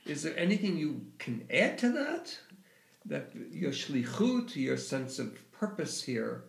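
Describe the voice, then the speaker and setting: Effusive man, gravelly, echoey room. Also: on the high side, big pitch swings, measured pace. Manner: effusive, enthusiastic. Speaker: host. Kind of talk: podcast interview.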